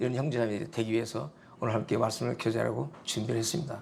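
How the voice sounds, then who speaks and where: A man is speaking. He talks very fast. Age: 70s. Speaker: lay preacher. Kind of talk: testimony. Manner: halting.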